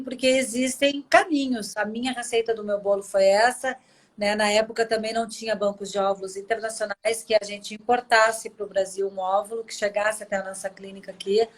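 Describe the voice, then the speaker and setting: Chatty Brazilian woman telling stories. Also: on the high side. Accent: Brazilian Portuguese. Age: 40s. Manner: emotional storytelling, warm and chatty. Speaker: host. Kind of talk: casual live chat. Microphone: video call.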